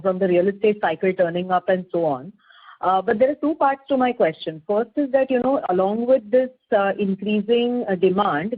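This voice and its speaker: A woman asking questions as an investor on a formal conference call, wordy and hesitant in her phrasing. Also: medium pitch. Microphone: phone. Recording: muffled narrowband phone line.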